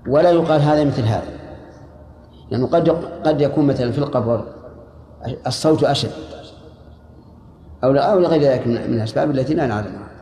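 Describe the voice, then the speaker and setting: A man's voice: mid-range voice, dark tone, roomy sound, a little hiss or hum. A man, teaching and commenting on a text a student reads aloud. He explains points plainly and corrects the reader. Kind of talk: lesson commentary.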